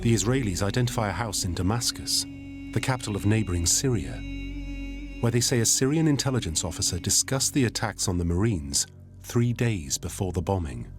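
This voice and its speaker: A man reads documentary narration in a low, measured voice. His delivery is grave and steady, built for a serious factual film. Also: music in the background. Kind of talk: scripted narration.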